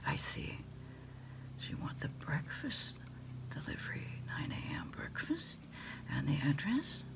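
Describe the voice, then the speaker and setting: A middle-aged woman doing a hushed ASMR roleplay, unhurriedly taking orders into a phone handset. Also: low voice, huge pitch swings, a little slow, vocal fry. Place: small indoor desk space.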